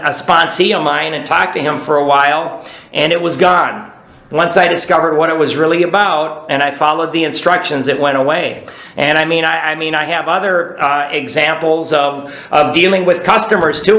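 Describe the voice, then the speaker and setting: Bright-voiced man telling a recovery story. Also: on the high side, roomy sound, rough recording. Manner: rambling, restarts, asks "right?". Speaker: recovery speaker. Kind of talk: recovery talk.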